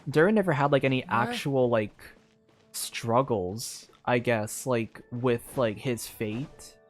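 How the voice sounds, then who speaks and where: Over video game music, a streamer rambles hesitantly through casual commentary, thinking aloud with plenty of filler words. They speak slowly in a mid-range voice.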